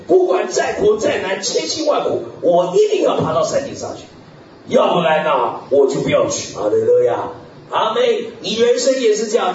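A male preacher with a fairly high voice that swoops widely as he delivers a lively sermon, punctuated by hallelujahs and amens and frequent chuckles. He sounds far from the mic in a very echoey hall. The recording is dull and lo-fi. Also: noisy background. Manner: animated, peppers talk with hallelujah and amen; chuckles often, bursts into shouts.

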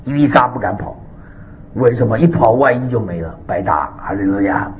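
Animated male preacher. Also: mid-range voice, fairly quick, slight background noise. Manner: animated preaching with frequent hallelujahs and amens. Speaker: pastor. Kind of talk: sermon.

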